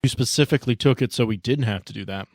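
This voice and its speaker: A man's voice: medium pitch, quick pace, a little mellow, breathy edge, no room sound. Guy running a tabletop podcast game, teasing and chatty, mid voice, dry close mic. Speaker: game master.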